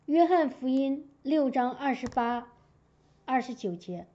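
Woman preacher, lively storytelling sermon, high mellow voice, dull lo-fi recording. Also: a little slow. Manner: lively storytelling with frequent "明白我的意思吧" asides.

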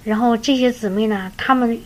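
A woman preacher, voice a little high and darkish, speaks slightly fast with fairly even intonation while sharing her testimony. Her sermon-style faith story is earnest and full of repeated words, and the recording is low quality.

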